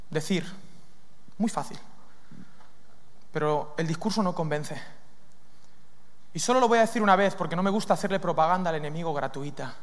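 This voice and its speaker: A man from preaching a lively sermon, questioning his listeners and acting out lines from scripture. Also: fairly high pitch. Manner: lively, asks the audience questions, acts out demons' lines. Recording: long hall reverb.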